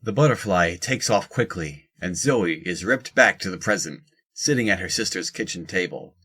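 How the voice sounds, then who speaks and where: Casting: low-voiced narrator for scripted audio fiction, telling the action between lines. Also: lively intonation, normal speed, a bit bright, slightly rough.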